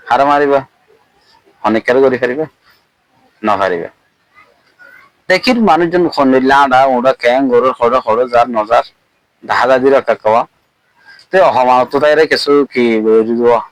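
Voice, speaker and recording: A man's voice: mid-range voice, moderate pace, long pauses, no echo, poor audio. A man with a Rohingya accent giving informal, colloquial spoken commentary, repeating phrases for emphasis.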